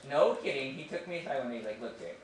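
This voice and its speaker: A man's voice: mid-range voice, rapid-fire. Guy teaching math to teens, loose and chatty, way off mic in a really echoey room, bit of room hum. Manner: chatty, animated, keeps asking "right?". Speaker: high school math teacher. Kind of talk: casual classroom lecture. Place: classroom. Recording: distant echoey classroom recording.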